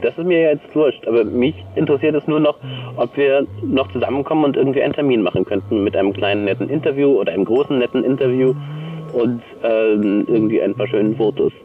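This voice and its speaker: Ein Mann erklärt sich am Telefon in lockerem Gesprächston, zögernd und um Ausgleich bemüht. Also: male voice, medium pitch, fast, slight background noise. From Germany. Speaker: journalist. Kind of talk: informal phone conversation. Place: hotel room. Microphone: telephone, recorded on tape. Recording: dull taped phone call, music behind.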